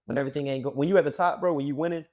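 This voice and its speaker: This late-twenties podcast co-host has a slightly high, steady voice with a darkish tone, and he talks at a racing clip. His casual chat wanders, heavy on slang and stuffed with fillers.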